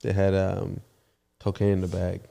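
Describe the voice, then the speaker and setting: A man hosting a podcast in relaxed, casual chat, laughing often. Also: low-pitched, moderate pace, vocal fry. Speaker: podcast host.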